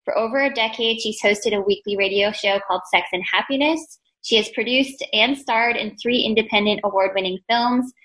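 A woman's voice: fairly high pitch, fairly bright tone, rough recording. A woman hosting a podcast, introducing and praising her guest in an effusive, chatty way. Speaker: podcast host. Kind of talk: casual interview talk.

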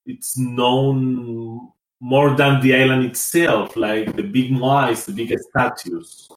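A man's voice: medium pitch, steady tone, slow pace, reverberant, poor audio. A man from Rapa Nui who works on indigenous policy, speaking thoughtfully in a conversational interview with many hesitations. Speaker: indigenous policy council member.

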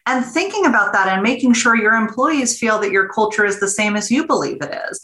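A woman executive answers podcast questions with measured, earnest advice. Her voice is bright and crisp. It has a roomy echo from the space she is recording in. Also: a little high, very animated. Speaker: guest, business executive. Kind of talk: interview answers.

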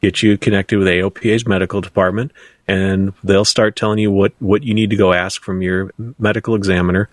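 A man's voice: sits low, level tone, a little fast, no room sound, studio quality. A middle-aged man co-hosting an aviation talk show, matter-of-fact with a wry streak. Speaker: podcast co-host. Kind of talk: casual chat.

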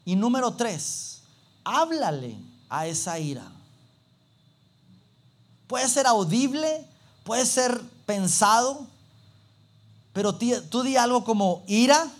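Animated preacher, high voice. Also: male voice, takes it slowly, pauses often. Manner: animated, acts out little scenes. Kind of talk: sermon.

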